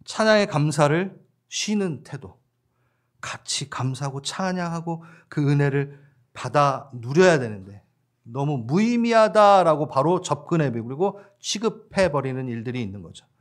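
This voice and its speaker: Animated Korean-speaking pastor preaching. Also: male voice, a little high, normal speed. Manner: lively, laughs with the congregation, acts out disciples' voices. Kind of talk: sermon. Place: church.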